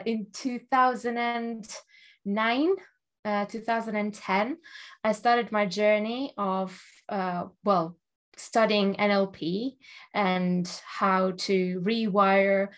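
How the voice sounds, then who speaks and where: Slow-speaking woman, not a native English speaker. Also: medium pitch. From Germany. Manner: measured, thoughtful, laughs often. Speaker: guest, love and relationships coach. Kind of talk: interview storytelling.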